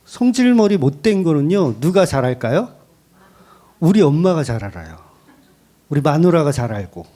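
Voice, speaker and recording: A middle-aged male pastor preaching with a lively, swinging delivery and a mellow, dark tone. He talks candidly and pokes fun at himself between points, keeping the sermon conversational. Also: a little high. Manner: candid, joking, self-deprecating preaching with laughs.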